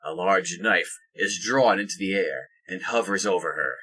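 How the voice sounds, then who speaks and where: Low raspy guy narrating an audio drama, bright forceful tone. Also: moderate pace, low-quality recording. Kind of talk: scripted present-tense action narration.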